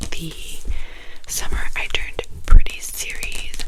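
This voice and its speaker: Over a fairly slow pace, a whispered voice comes through with noticeable background noise behind it. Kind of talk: ASMR book tapping video with casual chat. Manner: whispered, soft-spoken.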